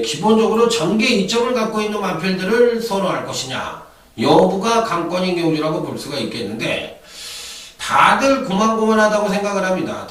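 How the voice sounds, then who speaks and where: Animated male racing tipster, echoey room. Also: far from the mic. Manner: animated, lively pitch swings, chatty asides. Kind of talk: racing tips commentary.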